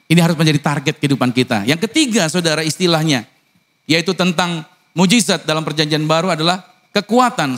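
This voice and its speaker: A pastor preaching a sermon, mixing casual slang with formal lines and asking the congregation rhetorical questions. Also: male voice. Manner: swings from high excited lines to low earnest ones.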